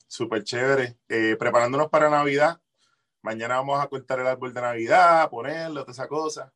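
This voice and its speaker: A man's voice: mid-range voice, a little fast, fairly bright tone. Man, Puerto Rican accent, mid-range voice, casual guest chat, slangy, jokey, sprinkles of English. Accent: Puerto Rican Spanish. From Puerto Rico. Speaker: musician guest.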